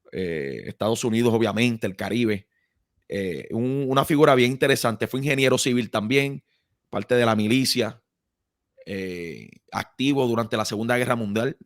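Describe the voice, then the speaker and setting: A man's voice: mid-range voice, moderate pace, no room sound, studio quality. A man with a Puerto Rican accent, speaking as a guest researcher in casual conversation, often adding tag questions and fillers.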